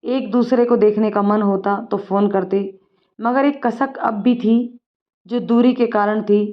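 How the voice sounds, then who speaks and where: Woman narrating a story calmly. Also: medium pitch, measured pace. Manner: calm, steady storytelling. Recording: dull lo-fi recording.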